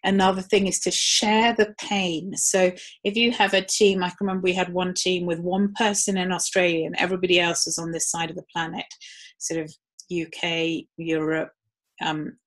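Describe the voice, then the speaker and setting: A woman's voice: on the low side, little pitch movement, moderate pace. A woman giving a live webinar talk in a conversational way, with frequent ums. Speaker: webinar presenter.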